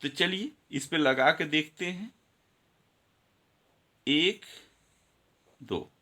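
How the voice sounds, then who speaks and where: A man's voice: a little high, animated, very slow, sharp tone. A male teacher giving a grammar lesson, counting syllables aloud and speaking directly to his students.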